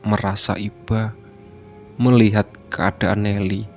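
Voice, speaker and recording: Low, flat-voiced man reading a story. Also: slow pace, vocal fry, faint music behind. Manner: steady, even reading delivery. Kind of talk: scripted horror story narration.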